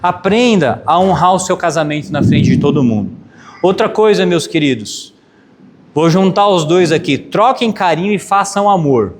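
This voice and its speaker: Pastor brasileiro, voz um pouco aguda, pregação animada e enfática, com histórias engraçadas. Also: male voice, sits high, moderate pace, heavy background noise. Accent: Brazilian. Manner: animated, emphatic storytelling with sound effects. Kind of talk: sermon with humorous anecdote.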